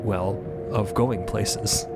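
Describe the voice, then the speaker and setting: A man's voice: fairly low pitch, steady tone, very slow, loud music behind the voice. A man co-narrating a fantasy audio story in a scripted but conversational style. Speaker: podcast co-narrator.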